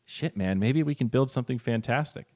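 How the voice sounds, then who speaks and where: A man speaking as a guest on a podcast, talking casually and animatedly, swearing freely and jumping up in pitch when he stresses a point. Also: fairly quick, a little mellow. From Finland. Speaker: podcast guest, esports commentator.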